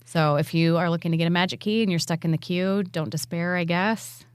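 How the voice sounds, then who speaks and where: A woman co-hosting a podcast, easygoing and quick to laugh, reading listener reviews and going over news. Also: fairly low pitch, steady tone, smooth, no echo, studio quality. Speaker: podcast co-host.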